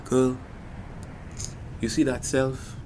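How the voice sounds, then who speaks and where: A man's voice: medium pitch, flat delivery, very slow, a little mellow. A flamboyant, sympathetic gay man played by an actor with a Caribbean accent, in an audio drama. He talks like a gossipy confidant, theatrical and sassy, with noticeable noise behind the voice. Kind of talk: conversational audio drama acting.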